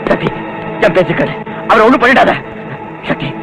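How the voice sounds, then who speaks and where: An actor playing a restrained young police officer who speaks slowly and firmly, switching into English. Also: mid-range voice, huge pitch swings. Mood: pleading. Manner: slow, firm, switching to English. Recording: film soundtrack with clear music.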